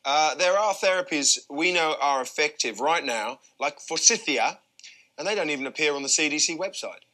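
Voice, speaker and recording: An actor playing an agitated conspiracy blogger who talks loudly and hectors. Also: male voice, on the high side, expressive, moderate pace. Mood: hectoring. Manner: loud, hectoring.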